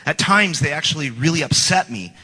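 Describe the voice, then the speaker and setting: A man's voice: on the high side, expressive, a little fast, pushed and bright, breathy edge. A man in his forties giving an earnest, prepared church testimony and acting out his past scorn, in a church sanctuary. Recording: long hall reverb.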